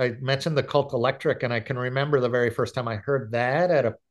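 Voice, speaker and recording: With a Canadian accent, a man uses an ordinary speaking voice at medium pitch and a moderate pace, with ordinary pitch variation against a quiet background. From Aurora, Ontario, Canada. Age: 40s. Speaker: rock bassist. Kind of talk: casual interview. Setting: video call.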